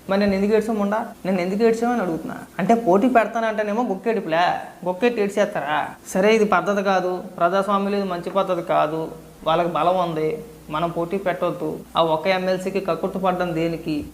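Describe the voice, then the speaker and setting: A man's voice: high-pitched, slight background noise. A man who is a party activist, delivering a sarcastic, scolding video rant. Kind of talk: ranting video commentary. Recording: roomy echo.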